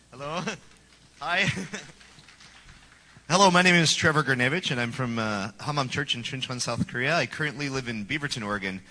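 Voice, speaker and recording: A man's voice: mid-range voice, normal speed, long pauses, sharp tone. A man in his forties giving an earnest, prepared church testimony and acting out his past scorn, in a church sanctuary. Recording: long hall reverb.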